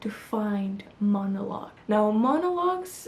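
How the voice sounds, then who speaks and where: Very slowly, a woman speaks at a fairly high pitch with a Portuguese accent. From Portugal. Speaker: drama student and vlogger. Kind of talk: casual advice vlog. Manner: animated.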